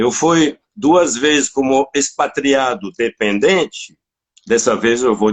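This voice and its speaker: Slowly, very slowly, a man speaks at a medium pitch with lively intonation, the sound dry and close with no echo. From France. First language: French (speaking Portuguese). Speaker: tourism professional. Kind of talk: interview. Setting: live stream.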